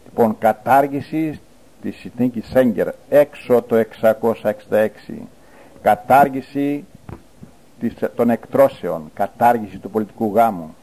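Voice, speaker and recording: A man, a priest, preaching a fiery sermon in a scornful, denouncing manner, with sudden loud outbursts. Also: medium pitch, rough recording.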